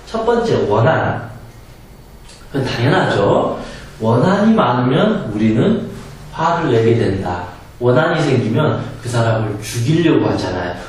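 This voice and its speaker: Lively man lecturing in a very echoey room. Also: mid-range voice, measured pace. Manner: lively, emphatic, acts out angry quotes, laughs often. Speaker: meditation and self-help lecturer. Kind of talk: spoken lecture. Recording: very echoey room from a distance, faint noise.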